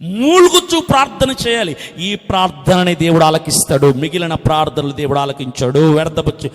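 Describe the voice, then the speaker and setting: Casting: impassioned male evangelist, middle-aged, high voice, long hall reverb. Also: lively intonation, moderate pace. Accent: Telugu. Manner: impassioned, repetitive, rhetorical questions, swings from loud to hushed. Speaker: evangelist preacher. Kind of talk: sermon.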